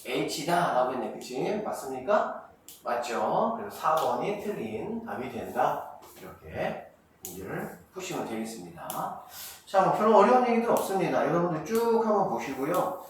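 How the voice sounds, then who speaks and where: Middle-aged guy doing a math lesson, keeps quizzing the kids then answering himself, lively up-and-down voice, mic far off. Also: fairly high pitch, normal speed. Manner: asks students questions and answers them himself, counts steps aloud. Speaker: math academy director teaching middle school. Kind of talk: classroom math lecture. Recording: echoey room, distant mic, faint noise.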